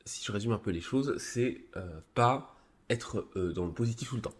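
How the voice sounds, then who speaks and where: A man with a deep, low voice talks through a psychology article on his live stream. He has a cold. He speaks casually and hesitantly, full of fillers and restarts. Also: moderate pace. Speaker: streamer presenting a psychology review.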